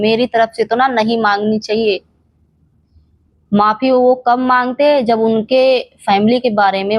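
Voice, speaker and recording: A young woman who runs a reaction channel vlogs a heated monologue to camera, scolding an absent rival with rhetorical questions and repeated challenges. Her voice sits on the high side, and the dry recording has its highs cut off.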